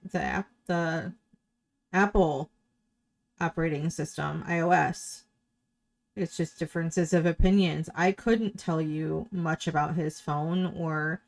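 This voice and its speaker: A woman's voice: deep voice, gravelly. A middle-aged woman commenting in a casual, opinionated, questioning way.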